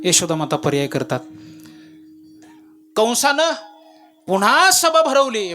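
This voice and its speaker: A male kirtan preacher from Latur, telling a devotional story in an animated way and acting out the characters. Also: high-pitched. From Latur, India.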